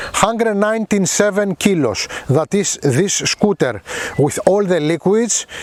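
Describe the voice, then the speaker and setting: Against noticeable background noise, a man with a Greek accent speaks at a fairly slow pace in a high voice, his loudness very even. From Greece. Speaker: motorcycle reviewer. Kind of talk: product review while riding. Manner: halting, with many fillers.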